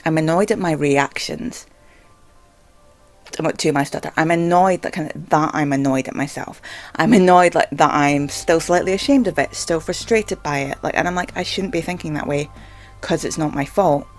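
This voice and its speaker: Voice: mid-range voice, moderate pace, soft background music. A vlogger with a stammer rambling casually and hesitantly, often saying "like". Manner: hesitant, stammering, filler-heavy with frequent "like". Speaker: video blogger. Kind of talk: casual rambling talk to camera.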